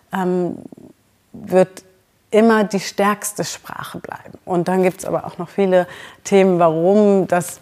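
A woman's voice: on the low side, darkish tone. A German woman hosting a podcast, coaching the listener in an encouraging, direct way. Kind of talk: motivational podcast talk.

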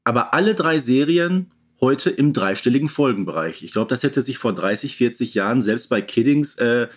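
A man's voice: medium pitch, animated, normal speed. A man co-hosting a podcast, talking casually as a fan and explaining points in an informal discussion. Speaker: podcast co-host.

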